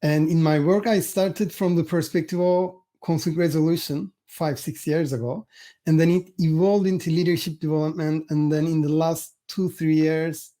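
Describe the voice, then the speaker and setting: Measured man, mellow voice. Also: on the high side, steady tone. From Cyprus. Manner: measured, deliberate, listing points. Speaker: podcast guest. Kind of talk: interview answers.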